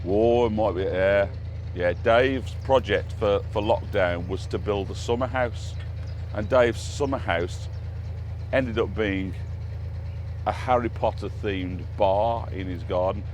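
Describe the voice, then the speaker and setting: A man's voice: fairly low pitch, takes it slowly. A man with an English accent chatting casually and jokily as he narrates a boat trip. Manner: jokey, bantering. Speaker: narrowboat vlogger. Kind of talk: casual chat, commentary while cruising. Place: outdoors on a narrowboat on a canal. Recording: outdoor recording with loud boat engine hum. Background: engine hum, outdoor noise.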